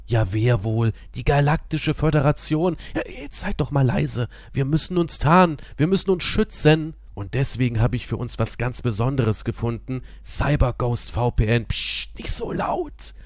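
Man doing a hushed conspiratorial ad read. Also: medium pitch, normal speed, few pauses, no room sound, studio quality. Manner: conspiratorial, shushing, playful. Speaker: host reading a sponsor spot. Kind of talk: comic ad read as a hushed time traveler.

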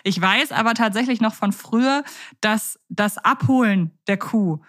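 A woman's voice: mid-range voice, measured pace. Woman steering a podcast chat. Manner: leads the talk with questions, articulate and lively. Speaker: podcast co-host.

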